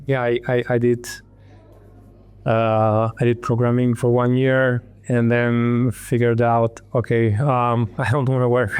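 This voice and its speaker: A man from Hungary in his thirties, a tech entrepreneur telling his story in an interview, halting with many ums and restarts. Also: mid-range voice, a little mellow, clean tone.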